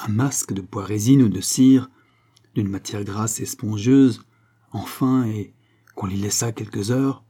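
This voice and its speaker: A man voicing a scheming young gypsy woman in a novel reading, speaking in a low, hushed, mocking way. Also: husky.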